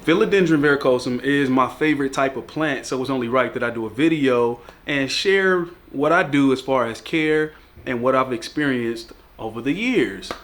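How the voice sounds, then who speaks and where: A man's voice: medium pitch, moderate pace. Congested laid-back man chatting about plants. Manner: laid-back, chatty, laughs at his own jokes. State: congested from a cold. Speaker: plant vlogger. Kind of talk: casual video chat about plant care.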